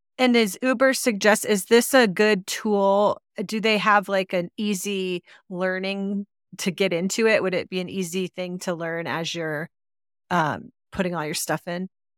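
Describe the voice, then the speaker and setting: In a very clean recording with a silent background and a dry, close sound with no echo, a woman with a plain, everyday voice speaks at a fairly slow pace with ordinary pitch variation. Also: medium pitch for a woman. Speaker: therapy group practice owner. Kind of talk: panel discussion.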